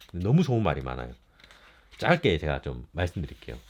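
Vocal fry runs through a man's very deep, low voice. He moves at a fairly quick pace with very wide pitch swings. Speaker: education lecturer. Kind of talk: casual monologue to camera. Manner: hesitant, many fillers.

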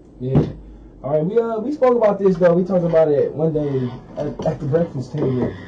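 A high-pitched man at a fairly quick pace amid noticeable background noise. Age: 20s. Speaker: college radio host. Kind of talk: casual chat. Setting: studio. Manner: animated. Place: studio.

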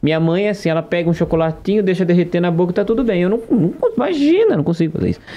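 A high-pitched man at a very fast pace with hardly any pauses, very even loudness and ordinary pitch variation, over noticeable background noise. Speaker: podcast host and singer. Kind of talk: casual chat.

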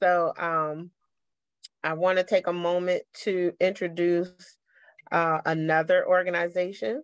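In an ordinary speaking voice, a woman with a fairly low pitch talks at a fairly slow pace with fairly even intonation, the sound dry with no echo. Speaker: council staff member. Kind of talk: community announcements. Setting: video call. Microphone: video call.

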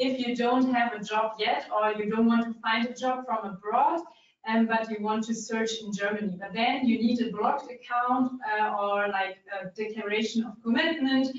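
Speaking at a moderate pace, a woman uses a fairly high pitch and fairly even intonation. There is audible room echo over a quiet background. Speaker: webinar co-moderator. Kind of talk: webinar Q&A. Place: office. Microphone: webcam.

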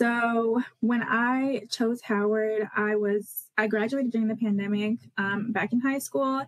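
A woman with an American accent speaks at a very slow pace in a fairly high, somewhat breathy voice with fairly even intonation, the sound dry with no echo over a quiet background. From US West. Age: 20s. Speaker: college student. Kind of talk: panel discussion. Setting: video call. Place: home room. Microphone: video call.

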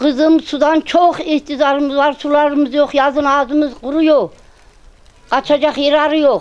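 With very even loudness, a woman speaks at a high pitch in monotone, flat intonation. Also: fairly slow pace. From Turkey, Yozgat village. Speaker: villager. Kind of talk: street interview. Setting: outdoors. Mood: complaining, pleading. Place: street. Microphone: handheld.

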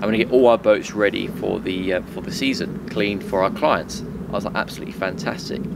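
Over loud background noise, the voice races along at a very fast pace with very wide pitch swings and a dry sound with no echo. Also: man, medium pitch for a man. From southern England (Kent), then southern Spain from age nine; southern England. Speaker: yacht captain and vlogger; yacht captain vlogger. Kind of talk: casual vlog storytelling. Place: garden.

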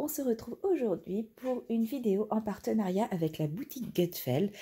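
A woman's dark, mellow, somewhat breathy voice at a moderate pace, with very wide pitch swings and a quiet background. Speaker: crafts hobby vlogger. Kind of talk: casual unboxing chat. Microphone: phone near.

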